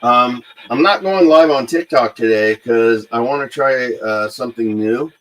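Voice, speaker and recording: Casual, halting man hosting a livestream. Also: mid-range voice, a bit bright, a little hiss or hum, poor audio. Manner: halting, hesitant delivery with frequent pauses and filler sounds. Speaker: host of a paranormal investigation livestream. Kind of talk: casual unscripted livestream talk.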